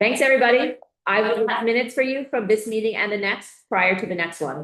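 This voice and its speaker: A woman speaks in a normal speaking voice at a fairly quick pace, her fairly high pitch carried by lively intonation. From New York. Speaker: committee chair. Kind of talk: meeting discussion.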